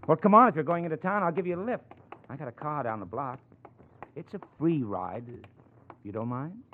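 An American actor playing a smooth-talking, scheming young crook in 1940s radio style, glib and ingratiating. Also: male voice, on the high side, lively intonation, a little fast. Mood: glib, coaxing. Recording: tinny old radio recording.

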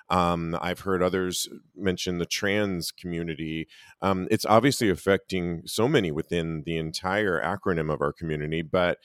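A man's voice: sits low, smooth, dry recording, clean studio sound. A man interviewing a filmmaker, asking long questions in an affirming way and sometimes stumbling over words. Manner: warm, affirming, reads statistics aloud, some stumbles.

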